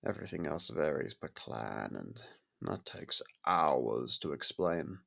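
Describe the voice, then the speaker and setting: Guy doing a low slow vampire for asmr roleplay, husky, brooding but courteous, talks hushed and halting. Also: animated, full character voice. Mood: calm, explaining. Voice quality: gravelly, husky. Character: brooding male vampire, courteous, softened toward a human. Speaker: voice actor. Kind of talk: intimate ASMR audio roleplay.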